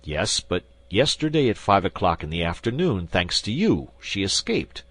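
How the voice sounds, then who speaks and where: A man's voice: sits low, big pitch swings, moderate pace, fairly bright tone, no room sound, exaggerated voice. A man playing a stern interrogating commissary. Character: stern, pompous male police commissary.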